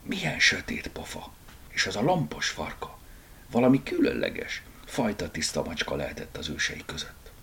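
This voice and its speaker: A man's voice: on the low side, wildly swooping pitch, vocal fry, slight background noise, full character voice. A man voicing a timid black house cat who wonders and mutters uneasily. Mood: hushed awe.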